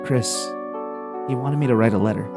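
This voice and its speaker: A man voicing a brash, rough-talking monster girl from a game, blunt and swearing. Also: mid-range voice, music in the background, lightly acted. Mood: gruff, puzzled. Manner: blunt, swears, slow gruff delivery. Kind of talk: voicing game dialogue on stream.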